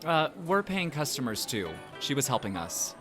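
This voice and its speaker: A man's voice: mid-range voice, sing-song, normal speed, over music, lightly acted. A man playing a blunt, laid-back diner customer in a casual audio drama. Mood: protesting. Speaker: podcast drama performer.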